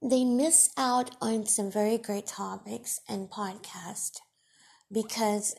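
A woman podcast host with Farsi as her first language talks slowly and deliberately. Her voice has a gravelly, husky texture, and she leans on her words with emphatic, scolding weight. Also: medium pitch, steady tone, darkish tone. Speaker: podcast host and radio broadcaster. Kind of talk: solo podcast monologue.

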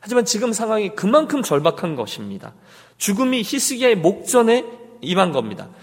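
A man preaching a sermon as pastor, swinging between loud urging and hushed pleading. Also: sits high, huge pitch swings, fairly quick, breathy edge, long reverb tail. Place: church sanctuary.

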